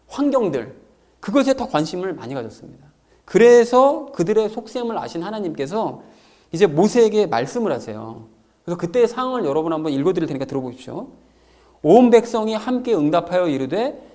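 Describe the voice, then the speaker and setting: A pastor delivers a sermon in a high voice. He explains things expressively and performs the quoted lines as he reaches them.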